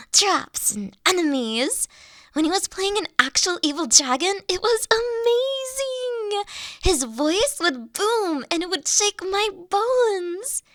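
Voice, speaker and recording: Casting: woman as young female college dragon for roleplay audio, high-pitched, slow-paced, nerdy, gushing, nervously stammering. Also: fairly bright tone, dry recording, studio quality, exaggerated voice. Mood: fond, excited. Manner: gushing, rambling, stammering when flustered. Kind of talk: roleplay audio drama addressed to the listener.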